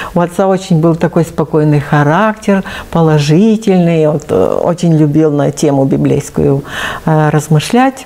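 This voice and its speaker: A woman speaks in a very deep, low pitch with a dark, mellow tone and ordinary pitch variation. Her loudness stays very even at a fairly slow pace. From Ukraine, Transcarpathia. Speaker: retired churchgoer sharing prayer story. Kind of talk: testimony interview.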